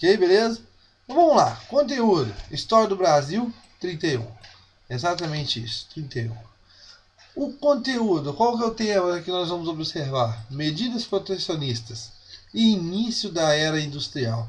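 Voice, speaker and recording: Quiet and high-pitched, a man speaks at a moderate pace with very wide pitch swings, amid audible room echo. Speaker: history teacher. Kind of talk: lecture. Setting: home at night. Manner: speaking quietly.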